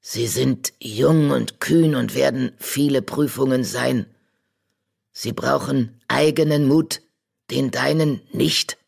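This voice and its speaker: A narrator voicing Mitternacht, a wise old female badger in an audiobook, who talks slowly with broken word order. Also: mid-range voice, vocal fry, a little mellow, slightly rough, heavily acted. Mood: solemn.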